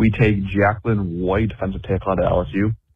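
In an ordinary speaking voice, a man talks at a fairly quick pace with a fairly low pitch. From upstate New York. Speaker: caller. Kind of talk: voicemail mock draft.

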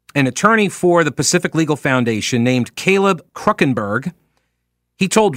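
A man speaks at a moderate pace with a slight Long Island accent, his fairly high pitch swinging very widely. The recording is very clean and dry, close with no echo, over a silent background. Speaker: talk radio host. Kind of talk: talk radio monologue. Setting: radio studio. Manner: casual, conversational.

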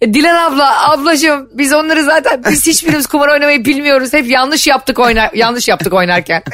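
In a put-on character voice, the high-pitched speaker sounds shaky, moving at a moderate pace with lively intonation and hardly any pauses.

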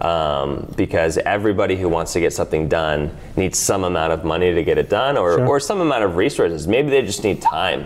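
Through noticeable background noise comes a man with an American accent and a very deep, low pitch. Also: lively intonation, fairly quick pace, hardly any pauses. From Pennsylvania, US. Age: 30s. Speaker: YouTube video creator and filmmaker. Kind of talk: interview.

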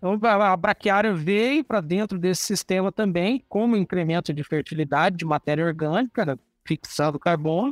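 Heard in a dry, close sound with no echo, a man speaks at a high pitch and a moderate pace, with ordinary pitch variation and hardly any pauses. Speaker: agronomist and farmer. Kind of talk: interview. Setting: remote call. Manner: passionate.

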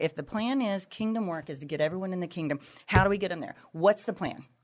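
A woman's words come out very fast. The pitch of her voice shows ordinary variation. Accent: Texan. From Texas. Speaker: women's ministry teacher. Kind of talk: casual chat. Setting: studio. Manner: laughs often.

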